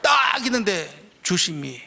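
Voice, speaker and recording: A middle-aged man telling a church testimony, animated and bursting into shouted quotes. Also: high voice, a little slow, gravelly, big-room sound, slight background noise. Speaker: guest speaker giving a testimony.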